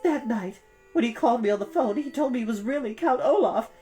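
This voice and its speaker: A woman's voice: a little high, expressive, fairly quick, warm tone, faint music behind, voice pushed up, close to an everyday voice. A woman voicing a fearful, fussy older aunt in a children's storybook, whining and scolding in a pedantic way. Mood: whining, frightened. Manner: whining, grammar-pedantic, stern.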